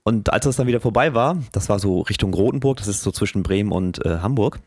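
Gravelly low-voiced man telling a story. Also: fast talker, no room sound, studio quality. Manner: storytelling, lively, quotes himself. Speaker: podcast co-host; train driver. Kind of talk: casual chat.

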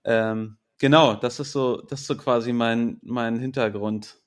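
A man's voice: medium pitch, steady tone, measured pace, smooth. Easygoing man musician from Berlin. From Berlin, Germany. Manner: easygoing, hesitant, repeats words. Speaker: musician guest. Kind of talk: casual chat.

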